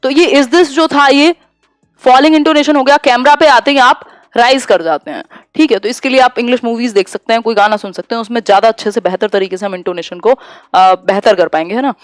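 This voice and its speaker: Woman teacher with a high, dry voice. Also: no room sound. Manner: explains in Hindi with English terms, reads questions slowly. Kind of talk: online exam-prep lecture.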